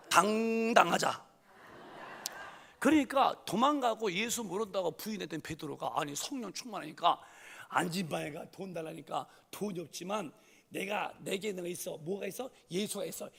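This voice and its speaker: A middle-aged man preaching a sermon as pastor, fervent and animated, acting out scenes with loud raised voices. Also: sits high, creaky, slightly rough. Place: church sanctuary. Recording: long church reverb.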